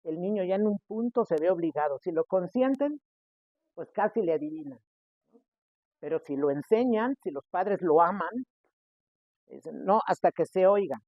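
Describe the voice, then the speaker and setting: A Mexican man preaching a sermon as pastor, acting out the people he quotes with sudden shifts in loudness. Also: high voice, expressive, normal speed, pauses often, dry recording. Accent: Mexican Spanish. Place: church. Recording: dry, tinny phone-like sound.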